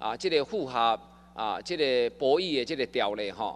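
Lively intonation runs through this man's medium-pitched voice. He speaks at a moderate pace with a Taiwanese accent. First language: Taiwanese Hokkien (speaking Chinese). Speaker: city councillor. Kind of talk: council interpellation. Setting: council chamber.

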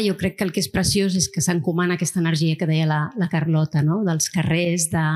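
Fairly quick, somewhat breathy speech from a woman. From Catalonia. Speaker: novelist; guest. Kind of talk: panel talk at book event. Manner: halting. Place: hall. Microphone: handheld.

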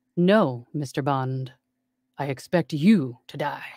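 Someone performs a put-on character voice at a low-to-middle pitch and a very slow pace. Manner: menacing villain delivery.

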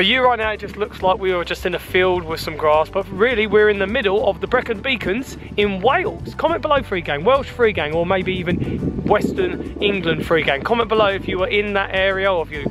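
Clear music plays in the background as a man talks at a fairly quick pace with hardly any pauses, in a dry sound with no echo. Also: ordinary pitch variation. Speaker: family vlogger. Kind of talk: casual vlog chat. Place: open country. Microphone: phone near.

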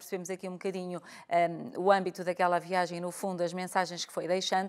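The background stays quiet. This woman's voice sits at a medium pitch. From Portugal. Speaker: TV presenter. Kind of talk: TV talk show interview. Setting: studio. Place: studio. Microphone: lapel.

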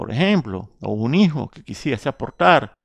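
Against a quiet background, a man speaks fairly slowly with very wide pitch swings, the sound dry with no echo. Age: 60s. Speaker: political commentator. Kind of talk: lecture. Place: home room. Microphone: headset.

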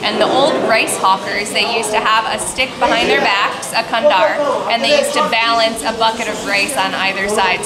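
Against loud background noise, a woman talks at a moderate pace with ordinary pitch variation and hardly any pauses. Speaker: travel vlogger. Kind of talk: casual vlog chat.

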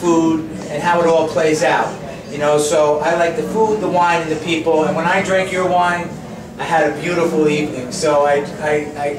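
A man talks at a moderate pace in a monotone, flat intonation. Audible room echo and noticeable background noise fill the recording. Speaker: restaurant host interviewer. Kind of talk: interview question. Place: bar. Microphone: camera far.

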